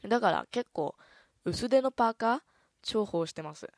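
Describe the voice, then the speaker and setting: A woman hosting a casual radio talk show, soft-spoken and easygoing, with a stuffy nose. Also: mid-range voice, expressive, moderate pace, no echo, clean studio sound. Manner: soft, easygoing, chatty, with many "un" fillers. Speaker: radio host.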